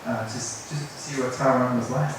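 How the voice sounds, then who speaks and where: A man's voice: mid-range voice, fairly even intonation, fairly quick. A middle-aged man from South Africa tells a personal story to a group in a hesitant, self-deprecating way. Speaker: English teacher. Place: indoor room at a teachers' workshop. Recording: echoey room, distant mic, noisy.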